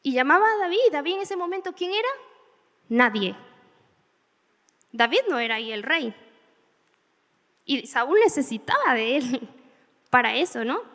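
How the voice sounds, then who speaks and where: A woman preaching a sermon, telling stories in an animated way with laughter. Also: sits high, unhurried, long pauses, long reverb tail. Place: church hall.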